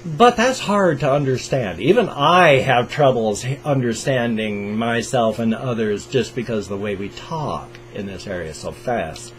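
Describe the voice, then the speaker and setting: An older man from the Pacific Northwest with a Pacific Northwest American accent, chatting enthusiastically to camera as a reaction video host, deliberately slowing his speech and holding his voice in a higher register. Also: animated, a little hiss or hum, poor audio. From Pacific Northwest, USA. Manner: enthusiastic, keeps voice raised to a higher register, speaks slowly on purpose. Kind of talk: casual chat to camera. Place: small room at home, indoors. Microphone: over-ear headset.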